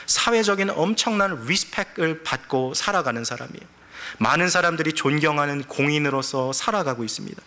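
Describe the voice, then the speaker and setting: A male pastor preaching a lively sermon, acting out quotes and asking the congregation questions. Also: on the high side, a little fast. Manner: animated, acts out quotes, asks the congregation questions. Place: church sanctuary. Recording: reverberant church sanctuary.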